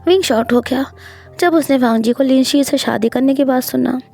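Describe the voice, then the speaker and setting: High-voiced woman narrating a story. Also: moderate pace, gravelly, warm tone, faint music behind. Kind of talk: narrating fan fiction story.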